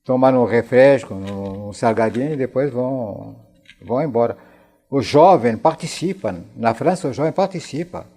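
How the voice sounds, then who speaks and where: A very old man with a French accent and a dark, soft-edged voice recalls things in an interview. He speaks haltingly, circling back to repeat words as a non-native speaker does. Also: medium pitch, expressive. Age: 90s. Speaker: interview guest, war veteran. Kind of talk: conversational recollection in a television interview.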